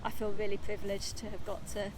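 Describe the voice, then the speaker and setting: A woman giving a reflective interview answer, hesitant and thoughtful with many pauses. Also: medium pitch, monotone. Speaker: interviewee, heritage project researcher. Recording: noisy background.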